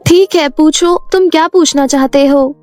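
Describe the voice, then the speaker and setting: A woman voicing a helpful, polite and clever young girl in an animated moral story. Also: high-pitched, a little slow, no echo. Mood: curious, polite. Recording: music behind the voice.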